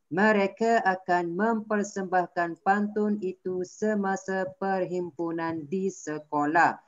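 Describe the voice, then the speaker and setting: Malaysian woman teacher, low voice, patient and coaxing, online class on a dull call line. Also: fairly even intonation, takes it slowly. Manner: patient, coaxing, prompts and corrects pupils. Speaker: primary school teacher.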